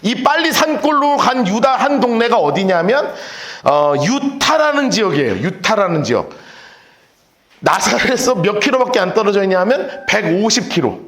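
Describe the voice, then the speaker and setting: A man preaches from the pulpit in a high, lively voice that swoops up and down as he acts out the story. His voice rings through an echoey church hall, picked up by a handheld microphone. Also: normal speed. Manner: animated storytelling, acting out voices. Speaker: pastor. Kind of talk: sermon. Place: church sanctuary.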